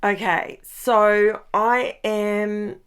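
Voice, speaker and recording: A middle-aged woman, chatting in a craft voice-over with a croaky voice, rambling and breaking off her own sentences. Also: medium pitch, fairly even intonation, extremely slow, a bit bright. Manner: chatty, rambling, self-interrupting. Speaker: scrapbooking vlogger.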